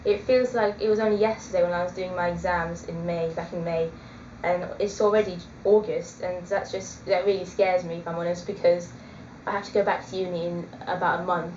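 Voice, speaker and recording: A woman's voice: on the low side, steady tone, a little fast, a little mellow, slight background noise. A woman in her twenties chatting casually to her webcam, hesitant with many ums. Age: 20s. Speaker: vlogger. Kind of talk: casual chat. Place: small indoor room. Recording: echoey room, dull lo-fi webcam audio.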